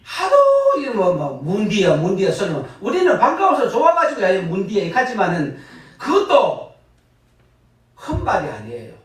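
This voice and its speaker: A retired pastor, preaching a lively sermon full of laughing asides and sudden loud bursts. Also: male voice, high voice, normal speed. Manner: animated, laughing storytelling with sudden loud rises. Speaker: guest pastor. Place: church sanctuary. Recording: echoey church from far off.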